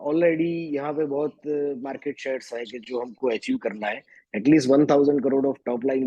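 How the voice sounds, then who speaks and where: A man with an Indian accent answering as a company executive on an earnings call, halting and often switching between Hindi and English. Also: medium pitch, warm tone, breathy edge. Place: remote conference call. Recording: dull, echoey conference call audio.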